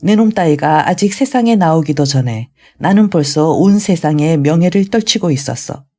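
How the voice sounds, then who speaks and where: A raging old retired general roars insults and curses at his family in a storybook reading. His voice stays mellow and warm in tone, sitting at a middle pitch, as a reader acts him out. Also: lively intonation, moderate pace, lightly acted. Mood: ranting. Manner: shouting, scolding.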